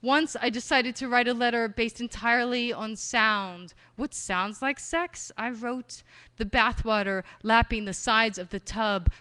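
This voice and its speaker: A woman performing spoken-word poetry live at a reading venue on a stage mic, expressive and slowing down on key phrases. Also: on the high side, no room sound. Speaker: poet.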